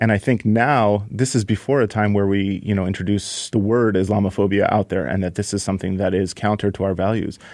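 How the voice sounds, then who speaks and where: Delivered in an ordinary speaking voice with an American accent, the speech runs at a fairly quick pace with hardly any pauses and fairly even intonation over a quiet background. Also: man, fairly low pitch for a man. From United States. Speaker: navy veteran. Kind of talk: radio interview. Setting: studio.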